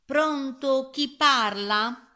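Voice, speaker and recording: A woman voicing a sly, ruthless young Red Riding Hood in a storybook rhyme, sugary and drawn-out. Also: sits high, bright, forceful tone, voice pushed up, heavily acted.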